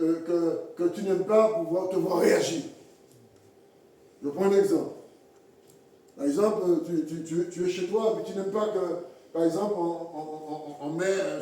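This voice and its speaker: A man preaching a sermon in a halting way, repeating words and acting out little everyday scenes. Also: high voice, mellow. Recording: echoey hall from far off.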